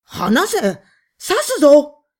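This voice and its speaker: A woman voicing a cornered male writer who blusters loudly while his voice trembles. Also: high-pitched, wildly swooping pitch, extremely slow, voice pushed up, full character voice. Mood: shouting.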